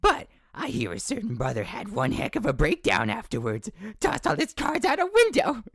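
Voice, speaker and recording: A woman voicing a gleeful, scheming card scavenger in an audio drama, raspy, gossipy and melodramatic. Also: mid-range voice, huge pitch swings, moderate pace, no room sound, studio quality, heavily acted. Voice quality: raspy, gravelly. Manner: melodramatic, gossipy, wildly swooping. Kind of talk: fan audio drama acting.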